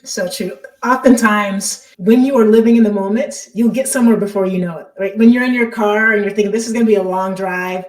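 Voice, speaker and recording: Woman podcast host, mid-pitched, affirming and upbeat, recorded in a roomy space. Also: fairly even intonation, fairly quick, few pauses. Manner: affirming, upbeat, conversational with tag questions. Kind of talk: casual interview chat.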